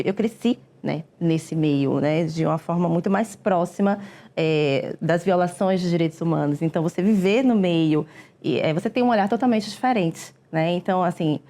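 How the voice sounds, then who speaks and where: A woman, a public defender answering interview questions in a measured, explanatory way with frequent hesitations. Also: fairly low pitch, mellow. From Brazil.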